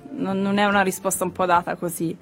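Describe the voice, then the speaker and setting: A woman being interviewed as a performer in casual chat, often pausing to search for words. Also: fairly low pitch, level tone. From southern Italy. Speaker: interview guest, burlesque performer. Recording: music behind the voice. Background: music.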